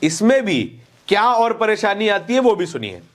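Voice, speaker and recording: A man's voice: high voice, big pitch swings, moderate pace. A man presenting opinionated news commentary, speaking emphatically with repeated phrases and rhetorical questions.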